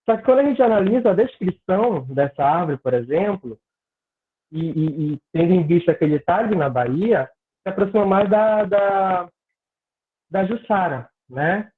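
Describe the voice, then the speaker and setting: A man's voice: high-pitched, expressive, moderate pace, husky. A young man, a graduate student earnestly explaining his research on a video call and stumbling over words now and then. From Pará, Brazil. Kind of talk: academic discussion on a video call. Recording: tinny phone-like call audio.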